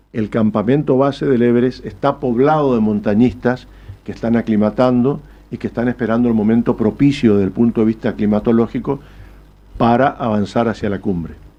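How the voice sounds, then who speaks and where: Fairly even in intonation, a man talks at a fairly quick pace and medium pitch. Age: 60s. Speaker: mountaineer and trekking guide. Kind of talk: radio interview. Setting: studio, broadcast on radio and TV. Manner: halting, many fillers.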